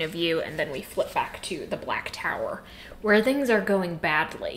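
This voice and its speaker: Speaking at a fairly slow pace, a woman with a Utah accent is heard over noticeable background noise. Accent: Utah accent, drops T's. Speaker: podcast co-host. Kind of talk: casual chat about books.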